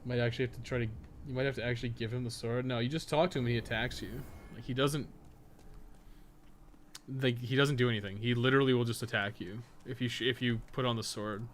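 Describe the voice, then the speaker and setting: Here a podcast co-host and game streamer chats casually and aimlessly over live gameplay, reasoning aloud and dropping swear words without hesitation. His medium-pitched voice moves quickly with fairly even intonation, heard over clearly noisy stream sound.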